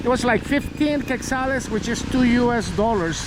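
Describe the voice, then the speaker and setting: A man with a Guatemalan accent talks his viewers through a rainy drive across the city, rambling with joking asides. His voice sits very high for a man. Road noise and rain come through clearly around him in the car. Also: expressive, moderate pace. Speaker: vlogger. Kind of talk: casual narrated driving vlog.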